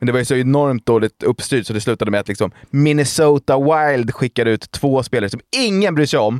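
An ordinary speaking voice at a fairly quick pace, with ordinary pitch variation and hardly any pauses. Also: man, medium pitch for a man. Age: 20s. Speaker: podcast co-host. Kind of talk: casual chat.

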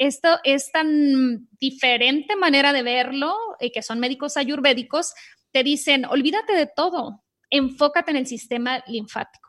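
A woman's high voice with ordinary pitch variation. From Mexico, Sonora. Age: 40s. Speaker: health coach. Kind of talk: podcast interview.

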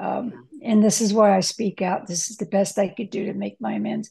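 Against a quiet background, a woman with a somewhat breathy, dark, mellow tone speaks at a moderate pace. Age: 70s. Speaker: former convict turned activist. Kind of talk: casual interview.

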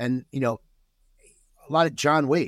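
Recorded very cleanly against a silent background with a dry, close sound and no echo, a man with an American accent speaks at a fairly quick pace. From US Northeast (New Jersey). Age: 50s. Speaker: comedian and podcast host. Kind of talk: casual chat.

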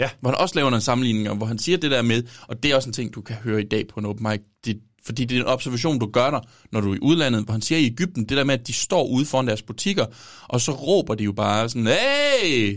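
The recording is very clean, with a silent background. A man talks very fast at a medium pitch with ordinary pitch variation. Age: 20s. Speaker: comedy podcast host. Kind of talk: casual chat.

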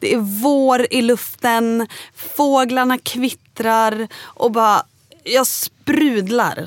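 A woman with a high pitch speaks at a very slow pace with ordinary pitch variation and very even loudness. The sound is dry and close with no echo. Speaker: podcast co-host. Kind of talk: casual chat.

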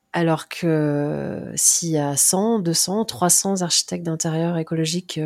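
With fairly even intonation, a woman of fairly low pitch speaks in a dry, close sound with no echo. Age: 30s. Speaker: interior architect. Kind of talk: interview. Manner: halting, many fillers.

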